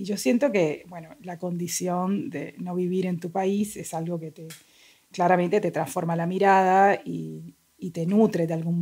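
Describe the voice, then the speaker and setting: A woman speaks at a fairly slow pace with a fairly low pitch. Her tone is dark and mellow, and her intonation stays fairly even. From Colombia (Cartagena). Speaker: novelist. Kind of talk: casual chat. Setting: video call.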